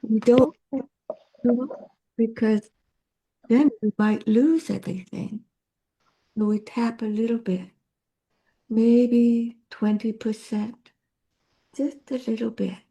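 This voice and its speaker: A woman on a video call calmly leading a group through a gentle sipping exercise. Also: a little high, rough recording. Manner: calm, soothing, slow instructions. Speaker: workshop facilitator.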